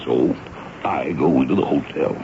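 An actor playing a plain-spoken, folksy army sergeant, gravelly and deferential, with ungrammatical speech, in a 1970s radio drama. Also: male voice, a bass voice, normal speed. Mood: eager reporting. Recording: muffled, hissy 1970s radio broadcast.

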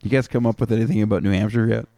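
Deadpan low-voiced podcast host. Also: male voice, racing, vocal fry, no room sound, studio quality. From Canada. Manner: deadpan, crude jokes, reads facts aloud. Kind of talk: casual comedic podcast chat.

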